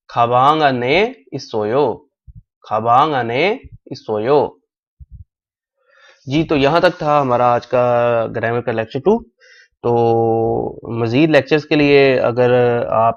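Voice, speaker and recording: Slow-spoken male language teacher. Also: mid-range voice. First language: Urdu. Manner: slow, repeats drill phrases many times. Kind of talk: recorded classroom lecture. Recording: dull lo-fi recording.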